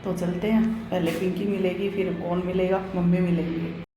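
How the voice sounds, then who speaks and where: A young woman chatting casually as she vlogs, her throat a little sore, with soft laughs and rambling asides. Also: on the low side, little pitch movement, normal speed. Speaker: vlogger. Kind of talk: casual vlog narration and voice-over. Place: outdoors by a road, then voice-over.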